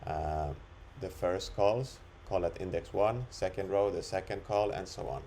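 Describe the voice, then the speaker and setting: Man demonstrating software for a tutorial. Lowish voice with gravelly fry, step-by-step delivery. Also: a little slow, slight background noise. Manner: step-by-step, instructional. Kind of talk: screen-recorded tutorial walkthrough, unscripted.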